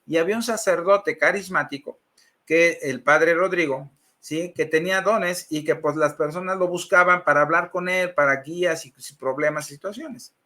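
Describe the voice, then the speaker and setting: A middle-aged man with a Mexican accent tells his conversion story in a lively, personal way. His voice sits high and sounds bright and forceful. He slips into the voices of the people he quotes and often pauses on fillers. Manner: animated storyteller acting out quoted dialogue, many fillers. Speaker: guest giving a faith testimony.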